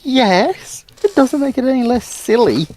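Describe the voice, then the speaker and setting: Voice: medium pitch, sing-song, a little slow, a little mellow. A panelist in a casual, geeky debate, speaking in a contrary, pedantic way.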